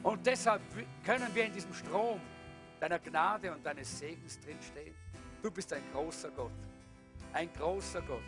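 High-pitched male pastor, fervent sermon and prayer, quiet guitar underneath. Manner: fervent, with repeated hallelujahs.

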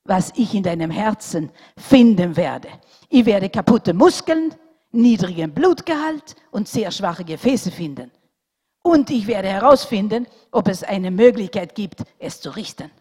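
A woman voicing a grown male surgeon who speaks loudly and forcefully. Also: medium pitch, expressive, a little fast, few pauses, slightly rough. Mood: stern. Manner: loud and forceful. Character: grown male surgeon, brusque then anguished. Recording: long hall reverb.

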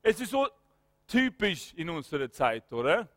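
High-voiced fervent male preacher in a hall. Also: sing-song, normal speed, fairly bright tone. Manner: fervent, punctuated by frequent hallelujahs and amens; breaks into spoken prayer and commands. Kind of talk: sermon. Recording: long hall reverb.

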